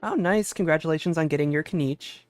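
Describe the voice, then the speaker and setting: A man's voice: on the high side, fast talker, faint music behind. A man giving casual livestream commentary as he plays a game. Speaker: game streamer.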